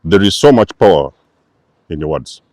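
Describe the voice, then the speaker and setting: Deep, dark-voiced man preaching. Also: lively intonation, normal speed, dry recording, clean studio sound. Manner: emphatic, repetitive, preacher-like. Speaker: spiritual channel host. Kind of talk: spiritual teaching monologue.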